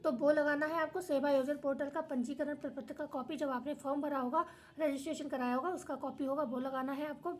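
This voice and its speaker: A young woman with a tired, hoarse voice, hosting an education channel and going through an official notice point by point in plain words. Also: sits high, steady tone, brisk, a little mellow. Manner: reads notice then explains in plain words. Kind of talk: explaining official notice to viewers.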